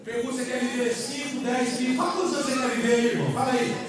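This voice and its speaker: A man with a Brazilian Portuguese accent preaching a sermon as pastor, animated, calling on the congregation to repeat his words. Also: very high-pitched, very fast. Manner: animated, calls on the congregation to repeat after him. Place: large church hall. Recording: echoey hall, distant mic, congregation.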